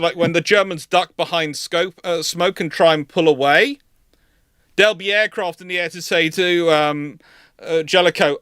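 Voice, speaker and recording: A man's voice: high-pitched, sharp tone, no room sound. British man, rambling livestream host, dry close sound. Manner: rambling, stammering and repeating words as he explains. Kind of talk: casual naval history question-and-answer chat.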